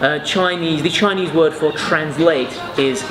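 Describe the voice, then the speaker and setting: A man co-hosting a vlog, reading a sponsor message in a deliberate way. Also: a little high. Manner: deliberate, spells things out. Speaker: co-host. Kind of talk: sponsor read in casual chat. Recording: roomy, loud music behind.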